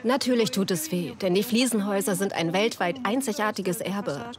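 A woman voicing a dubbed interview translation in an earnest, even way. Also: medium pitch, fairly quick, a crowd in the background.

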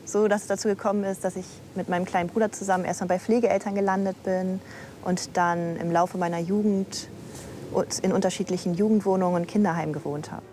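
A woman's voice: fairly low pitch, steady tone, fast, warm tone, slight background noise. A woman in her thirties, a pastor, talking openly and reflectively in an interview. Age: 30s. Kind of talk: casual interview talk.

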